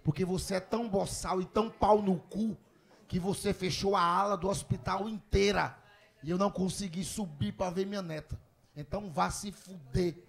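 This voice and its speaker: A man's voice: sits high, fairly even intonation, moderate pace, creaky, pitched below the performer's own voice. A comedian with a Cearense accent playing a tiny bitter old woman who bluntly curses at him. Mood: resentful. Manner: blunt, cursing.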